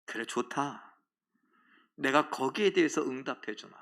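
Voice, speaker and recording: A man's voice: mid-range voice, animated, a little slow, gravelly, a bit bright. A male pastor voicing God as a solemn, commanding male figure who declaims his promises. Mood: exalted.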